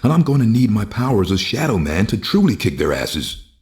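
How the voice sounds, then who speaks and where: A hardened, sardonic antihero for a video game. His gruff voice sits very low and taunts in plain, streetwise phrases. The sound carries hall reverb. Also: very animated, brisk, a little mellow. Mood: frustrated. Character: gruff, tough, cynical male antihero with shadow powers. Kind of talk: video game drama acting.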